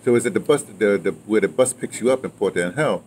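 A man's voice: on the low side, quick pace. Man in his seventies, noisy outdoor recording. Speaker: interviewee, audio drama veteran. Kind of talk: casual reminiscing chat. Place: outdoors, patio or yard of a building. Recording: clearly noisy outdoor ambience.

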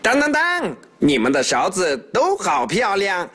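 A man voicing a big friendly furry monster, jolly and drawn-out, encouraging small children on a television show. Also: sits high, huge pitch swings, pushed and bright, soft background music, full character voice.

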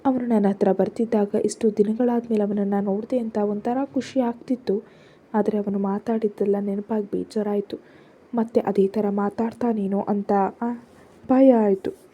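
Soft dark-toned woman storyteller. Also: medium pitch, fairly even intonation, moderate pace, husky. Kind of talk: first-person story narration.

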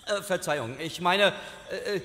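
A man's voice: high voice, bright, forceful tone, exaggerated voice. An actor playing a flustered, pompous palace herald in an audio drama, theatrical and stammering in his ceremonious speech. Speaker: court announcer. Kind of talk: German audio drama acting. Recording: reverberant hall.

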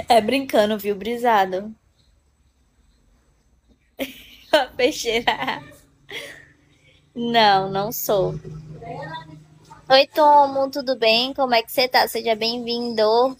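A woman's voice: fairly high pitch, drawn-out words, pauses often, a little hiss or hum. A young woman hosting a casual live stream, chatting playfully with viewers and laughing often. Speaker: livestream host.

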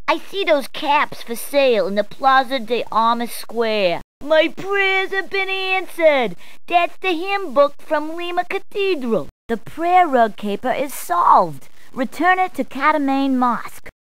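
A brash video game policewoman. Her voice is very high and swoops widely as she gives directions. The delivery is playful, punning and emphatic, in a dry, close recording. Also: a bit bright, no room sound, poor audio. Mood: pleased, punning. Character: brash, jokey New York policewoman giving directions. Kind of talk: scripted video game character clips.

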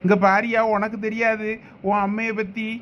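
A man's voice: high voice, monotone, moderate pace, fairly bright tone, lo-fi sound, a little hiss or hum. A man playing an insistent, aggrieved middle-aged brother demanding his property back, with a Thoothukudi Tamil accent. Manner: insistent, complaining. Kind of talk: village comedy skit acting.

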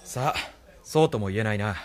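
A man's voice: fairly low pitch, animated, a little fast, soft background music, lightly acted. A man playing a blunt, driven young pilot. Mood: resolute. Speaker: military pilot, lieutenant. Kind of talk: anime radio drama acting.

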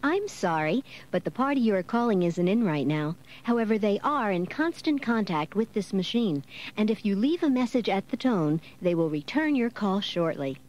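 A woman's voice: medium pitch, very animated, normal speed, a little mellow, dull audio. A woman speaking a formal, polite, scripted answering machine greeting, recorded as a voicemail message.

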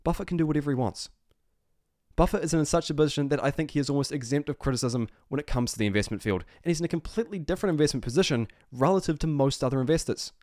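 A man's voice: fairly high pitch, racing, darkish tone, no echo, clean studio sound. A man giving off-the-cuff investment commentary, speaking emphatically with repeated phrases and rhetorical questions. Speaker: investing video host. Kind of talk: off-the-cuff stock analysis commentary.

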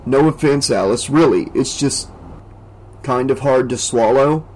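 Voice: medium pitch, measured pace, darkish tone, lightly acted, rough recording. A reader voicing a casual teenage boy who talks hesitantly and sounds doubtful.

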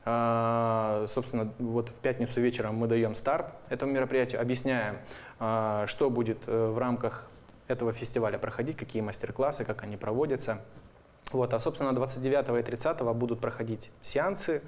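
A man in his thirties with a medium-pitched voice, speaking as an interview guest. He explains plans haltingly, pausing mid-phrase to find his words, in a studio setting. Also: fairly even intonation. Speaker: guest, animation studio representative. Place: indoor TV studio. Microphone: lapel mic.

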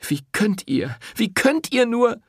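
A man's voice: sing-song, takes it slowly, husky, no room sound, clean studio sound, full character voice. Fiery young Sicilian woman, voiced by a man. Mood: desperate. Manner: shouting, defiant, raised high voice. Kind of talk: audiobook character voice.

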